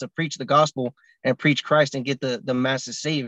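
A normal speaking voice from a man with an American accent, at a fairly high pitch and fairly quick pace, with fairly even intonation. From California. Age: 20s. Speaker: telecom technician. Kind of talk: casual interview.

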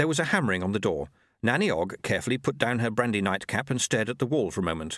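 Lively intonation over plain reading aloud

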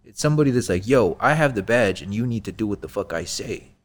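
Fairly quick, lively speech from a man, medium in pitch and marked by vocal fry. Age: 30s. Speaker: cannabis entrepreneur. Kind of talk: casual chat.

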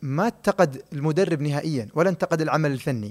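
A man at a moderate pace with lively intonation, on a very clean recording with a silent background. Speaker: football coach. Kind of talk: interview.

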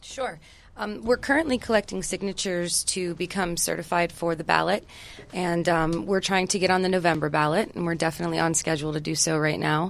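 Moving at a fairly quick pace, a woman uses an ordinary speaking voice with ordinary pitch variation. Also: fairly low pitch for a woman. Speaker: cannabis initiative organizer. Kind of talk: casual interview chat.

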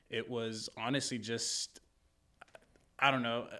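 On a very clean recording with a silent background, a man at medium pitch speaks with a bright, sharp tone and fairly even intonation. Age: 20s. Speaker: videographer. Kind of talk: casual chat.

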